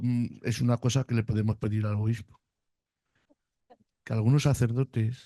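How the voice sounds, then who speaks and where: The voice is dark, mellow and somewhat breathy, with monotone, flat intonation and long, frequent pauses. The sound is dry and close, with no echo. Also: man. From Aragon, Spain. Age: 60s. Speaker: lay apostolate member, audience. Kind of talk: audience comment. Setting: conference hall with microphone.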